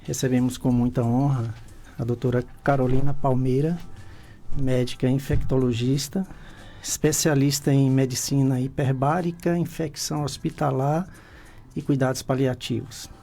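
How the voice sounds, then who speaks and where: Man with a gravelly, dark host voice. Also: medium pitch, fairly even intonation, normal speed. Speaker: radio host, interviewer. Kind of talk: radio interview. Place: radio studio.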